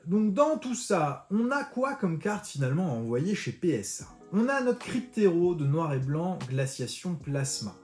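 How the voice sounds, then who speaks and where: A fairly high-voiced man guides the viewer step by step through an online tutorial in a chatty, informal way. His voice rings in a roomy space, with faint music playing underneath. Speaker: card-collecting tutorial host. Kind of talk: screen-recorded tutorial walkthrough.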